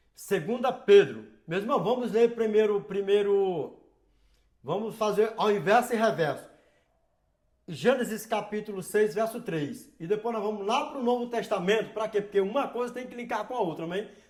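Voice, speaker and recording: Amid audible room echo, a high-pitched man speaks at a moderate pace with ordinary pitch variation and big swings in loudness. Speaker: preacher. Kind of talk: sermon. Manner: animated.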